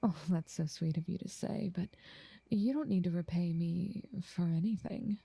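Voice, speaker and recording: A woman voicing an ancient, motherly vampire in an ASMR roleplay, soft, half-whispered, doting and possessive, speaking in an unhurried, genteel way. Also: fairly low pitch, creaky, husky, no echo. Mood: tender, possessive.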